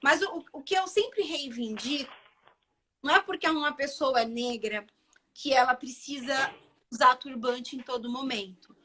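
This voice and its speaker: Woman, high-pitched voice, Bahian Brazilian accent, casual live chat, emphatic repetition. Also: moderate pace, pushed and bright. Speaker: chef, guest.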